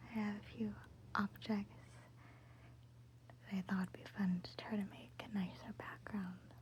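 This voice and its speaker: The soft-spoken voice leaves long, frequent pauses against noticeable background noise. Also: fairly slow pace. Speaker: ASMR creator. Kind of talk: casual ASMR show and tell.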